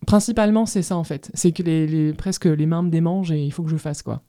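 A woman's voice: low voice, steady tone, fast, dark tone, no room sound, clean studio sound. A woman in her thirties answering casually as an interview guest, hesitant and often searching for words. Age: 30s. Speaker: guest artist, ceramicist.

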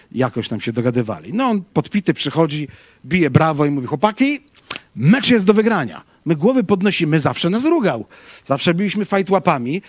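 Man, pastor, middle-aged, lecturing with anecdotes, higher voice, dry close sound. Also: dry recording. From Poland. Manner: animated storytelling, acts out quoted shouts.

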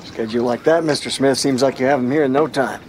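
An actor playing a reserved frontier shopkeeper who answers briefly and matter-of-factly. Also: male voice, medium pitch, fast talker, noisy background, close to an everyday voice. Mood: polite. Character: plain-spoken frontier shopkeeper man, reserved. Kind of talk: TV drama acting.

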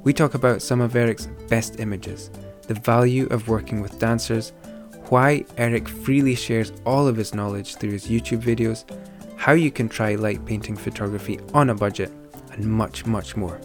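A fairly low-voiced man hosts a podcast in a chatty, rambling way, full of ums and false starts. A soft music bed sits under his voice. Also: moderate pace. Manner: chatty, many ums and restarts. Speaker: podcast host. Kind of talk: podcast interview and sponsor read.

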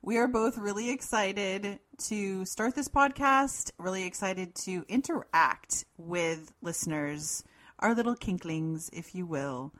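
A middle-aged woman with a deep voice, co-hosting a podcast in casual banter with dry, understated interjections. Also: unhurried, fairly bright tone. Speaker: podcast co-host.

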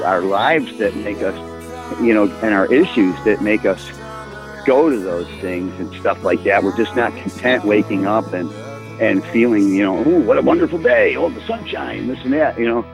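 A man's voice: on the low side, animated, moderate pace, creaky, music in the background, low-quality recording. A man with a Chicago accent, a musician guest rambling casually in an interview, often repeating words.

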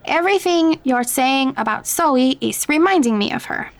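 Caring, higher-voiced motherly Latina confidante. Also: lively intonation, normal speed. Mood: gently worried. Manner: gentle, code-switches into Spanish. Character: caring, probing motherly Latina confidante, teasing but gentle. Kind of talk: naturalistic fiction podcast acting.

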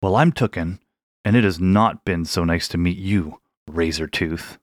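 A resentful young storybook companion, as a man voices him, speaking in a low, cold, clipped way. The sound is close and dry. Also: measured pace, no room sound. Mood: bitter. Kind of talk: storybook character voice.

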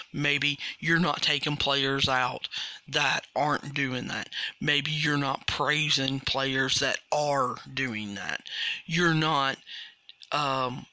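A man hosts a coaching podcast in an unhurried, earnest monologue, pressing his listeners with rhetorical questions. His voice has a piercingly bright, tense edge, and the recording is close and dry. He often stumbles and repeats a word before finishing his thought. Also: a little high, dry recording. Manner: repeats words and restarts.

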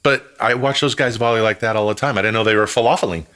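A man's voice: fairly low pitch, quick pace, pushed and bright. A man co-hosting a casual podcast, joking around and laughing often. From half Italian, half Greek family. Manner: jokey, laughs often, drifts into goofy voices. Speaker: podcast co-host.

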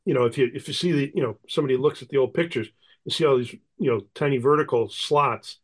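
A man's voice: mid-range voice, fast, rough recording. A man talking as a guest historian in a casual interview, rambling and often circling back with "you know.".

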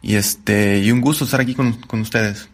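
A young man from Mexico in his twenties, a podcast guest talking in a relaxed way full of fillers. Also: on the low side, normal speed. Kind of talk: casual interview.

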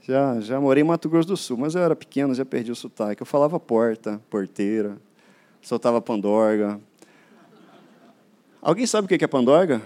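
A man from Rio de Janeiro, preaching a sermon to his congregation in a rhythmic, repetitive way that swings from quiet to loud declarations. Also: mid-range voice, animated, normal speed. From Rio de Janeiro, Brazil. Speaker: pastor. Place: church before a congregation.

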